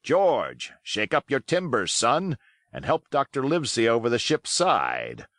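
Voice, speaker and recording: A man's voice: mid-range voice, huge pitch swings, measured pace, fairly bright tone, no room sound, studio quality. A man putting on a hearty, sly old pirate cook. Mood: jovial. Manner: beaming, hearty, wheedling seafaring talk. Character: jovial old one-legged male pirate cook, sly.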